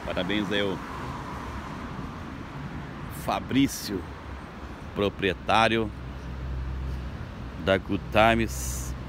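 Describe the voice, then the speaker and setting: Talking slowly in a steady tone, a chatty local guide from Brazil gives casual vlog narration straight to viewers, upbeat and a little low-voiced. The phone recording was made outdoors on a beach boardwalk at sunrise, where traffic and street sounds come through plainly.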